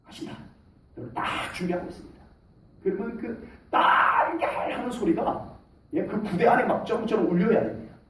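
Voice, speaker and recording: A middle-aged man preaching a sermon as pastor in a church, talking with lively gestures of voice and shouting out salutes as he acts out soldiers. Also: high voice, moderate pace. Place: church sanctuary. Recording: echoey hall, mic from a distance.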